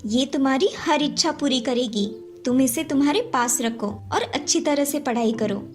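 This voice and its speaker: A woman's voice: sits high, lively intonation, moderate pace, soft background music. A woman voicing a kind, confident schoolgirl in a cartoon story, speaking encouragingly. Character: kind, confident girl who reassures her friend.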